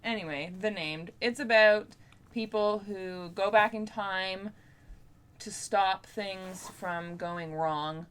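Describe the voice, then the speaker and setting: Canadian girl doing a casual book vlog, chatty and informal, normal mid pitch voice. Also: slow pace, smooth. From Ontario, Canada. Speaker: book vlogger. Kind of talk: casual chat to camera.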